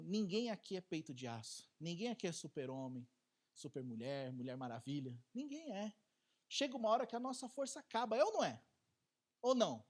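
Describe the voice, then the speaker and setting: A man with a Brazilian Portuguese accent preaches to his church in a loose, conversational way. He keeps asking the congregation questions and tells stories from his own life. His voice drops into quiet asides and then rises into loud, high bursts. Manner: animated, with rhetorical questions to the congregation; swings between soft low asides and loud high bursts. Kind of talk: conversational Sunday sermon.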